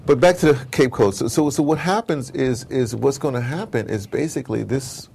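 A middle-aged man being interviewed, telling stories in a casual, animated way, repeating words and wandering off point. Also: medium pitch, normal speed, creaky, slight background noise. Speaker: interviewed audio drama producer. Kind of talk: casual, digressive interview talk. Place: at his home base in New York.

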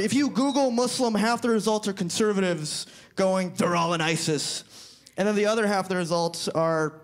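A young man from Florida doing a stand-up set on a club stage into a handheld mic, animated and quick with his punchlines, slipping into other people's voices. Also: high-pitched, slight background noise. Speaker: stand-up comedian. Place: comedy club stage before a live audience.

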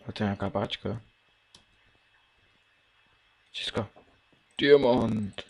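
A teenage man talks his way through a game in a low, gravelly voice. He mumbles and thinks aloud, half to himself, between keyboard and mouse clicks. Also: darkish tone. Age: teens. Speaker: gameplay commentator. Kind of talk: casual Let's Play commentary.

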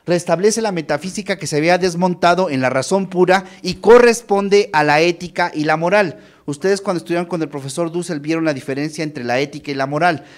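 A man with a Mexican accent giving a university lecture, animated, addressing students with rhetorical questions. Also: a little high, brisk, hardly any pauses. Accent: Mexican Spanish.

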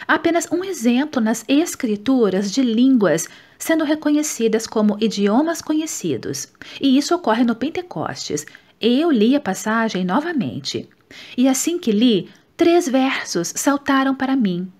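A woman with a Brazilian Portuguese accent, reading a nonfiction book aloud in a steady, measured way. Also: on the high side. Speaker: audiobook reader. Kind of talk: scripted audiobook narration.

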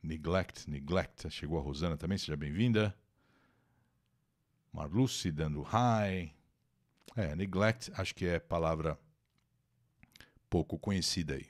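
Deep-voiced and unhurried, leaving long pauses, a man with a Brazilian Portuguese accent teaches English to Brazilians on a live stream. He reads an article, translates it, repeats words and greets the chat.

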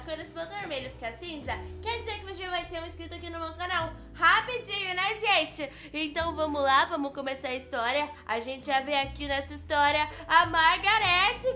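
A woman's voice: high-pitched, bright, forceful tone. A woman, hosting a casual reaction video and chatting straight to her viewers. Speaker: YouTube host. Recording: roomy room, faint music behind.

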